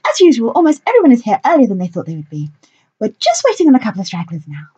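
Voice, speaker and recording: A woman's voice: on the high side, wildly swooping pitch, rapid-fire, dark tone, husky, highs cut off, pitched above the performer's own voice, heavily acted. A woman voicing a grand, theatrical stage director who calls everyone darling, in a storybook reading.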